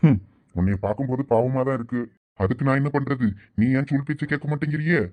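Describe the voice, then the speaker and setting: A man's voice: mid-range voice, steady tone, quick pace, darkish tone, voice pushed down, natural voice. A man voicing a scheming male villain in a cartoon, gloating and menacing, with a Thoothukudi Tamil accent. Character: scheming male villain holding a woman captive.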